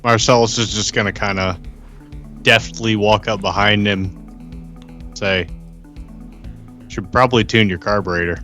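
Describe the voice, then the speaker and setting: Slow, low-voiced man in a tabletop game. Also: fairly even intonation, sharp tone, faint music behind. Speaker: tabletop roleplay player. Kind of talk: casual improvised roleplay chat.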